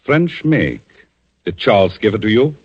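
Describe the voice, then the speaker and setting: A man playing a calm, vengeful avenger in a 1940s radio drama, speaking in a measured, theatrical way on a dull old broadcast recording. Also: on the low side, husky, exaggerated voice. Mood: accusing.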